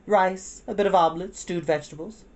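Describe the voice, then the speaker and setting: A woman reading a children's storybook aloud in an expressive narrating style. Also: on the low side, fairly quick. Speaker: storytime reader.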